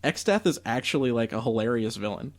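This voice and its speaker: A man's voice: medium pitch, animated, a little fast. A young man co-hosting a podcast, chatting casually and enthusiastically with lots of fillers. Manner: enthusiastic, laughs often, many fillers. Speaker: podcast co-host. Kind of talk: casual chat about video games.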